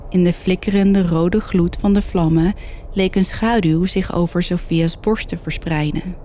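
A woman narrating a horror story in a steady, measured way. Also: fairly low pitch, slight background noise.

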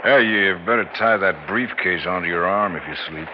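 An actor playing a gruff old Alaskan mountain man and prospector, folksy, wry and stubborn, in an old drama. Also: low-pitched, moderate pace, natural voice. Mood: teasing. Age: older. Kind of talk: old broadcast drama acting. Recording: muffled, noisy old drama soundtrack.

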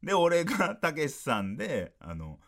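A man with a Kansai accent, hosting a podcast and telling a story in a casual, animated way. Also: moderate pace. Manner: animated, sing-song delivery with swooping pitch. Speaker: podcast host, comedian.

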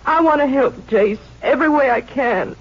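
An actress playing a grieving, gracious sheriff's widow, gentle, folksy and hesitant, in 1950s radio drama style. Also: female voice, sits high, moderate pace. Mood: sorrowful. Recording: dull vintage 1950s radio recording.

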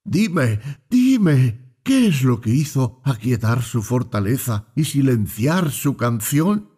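A man voicing a grieving young mother who pleads in high, anguished outcries in a read storybook. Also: big pitch swings, unhurried, dark tone, slightly rough.

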